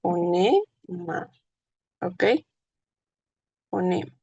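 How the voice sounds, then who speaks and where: A woman's voice: fairly low pitch, animated, extremely slow, warm tone, husky, lo-fi sound. A woman teacher giving a classroom lecture, explaining patiently and checking often that her students follow. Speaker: language teacher.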